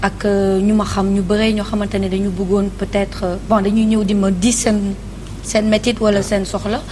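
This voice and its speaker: A woman's voice: medium pitch, level tone, normal speed, darkish tone. Young Senegalese woman, TV interview guest, mid voice, hesitant, code-switching, faint studio hiss. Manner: hesitant, many fillers, mixes French and Wolof. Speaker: guest, author and TV presenter. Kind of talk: casual TV interview. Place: TV studio set.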